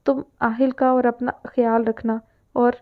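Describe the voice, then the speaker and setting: Woman reading a pleading, tearful mother, smooth and a bit high, phone-like audio. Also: little pitch movement, lightly acted. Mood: tender. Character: desperate, tender mother of two. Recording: narrow phone-like sound.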